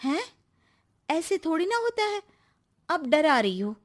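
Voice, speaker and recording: A woman voicing a chatty, excitable young daughter-in-law in a storybook cartoon. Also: very high voice, measured pace, pitched above the performer's own voice, full character voice. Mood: alarmed. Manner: excitable, boastful.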